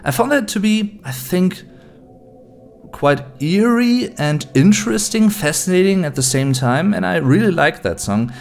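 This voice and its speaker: A man's voice: high voice, expressive, unhurried, vocal fry, a little mellow. A man in his late twenties from Germany, a native German speaker with a German accent, chatting casually to camera as a YouTube host and mixing German words into his English. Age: late 20s.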